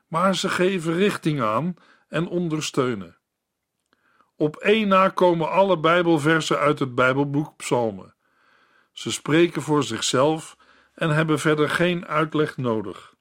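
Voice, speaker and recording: A man reading a scripted Bible commentary in a calm, measured way, as a Bible teacher. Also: a little high.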